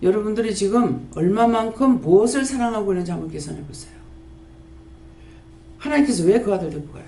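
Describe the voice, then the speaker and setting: Gravelly woman pastor scolding in an echoey hall. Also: mid-range voice, animated, warm tone. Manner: scolding, rapid-fire rhetorical questions. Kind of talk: sermon. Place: prayer house church. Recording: echoey church hall, faint background noise.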